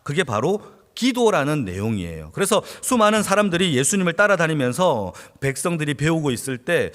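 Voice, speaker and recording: Animated pastor preaching in a reverberant sanctuary. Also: male voice. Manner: asks the congregation rhetorical questions; voices the Bible characters with dramatic pitch swings. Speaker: senior pastor. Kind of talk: Sunday sermon. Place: large church sanctuary.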